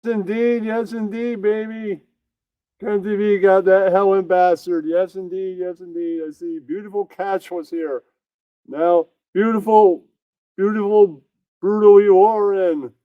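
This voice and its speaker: A man's voice: high-pitched, fairly even intonation, unhurried, clean tone, no room sound, phone-quality sound, pitched above the performer's own voice. A man voicing a gleeful, mischievous TV-host puppet that gloats and taunts with chanted catchphrases in amateur comedy. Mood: gloating.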